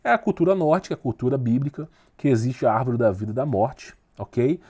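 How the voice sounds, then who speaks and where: A man's voice: mid-range voice, animated, brisk, a little mellow, husky. A man giving an informal video lecture in an emphatic, insistent way, often checking in with short questions. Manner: rises in force when making a point. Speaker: teacher of esoteric history.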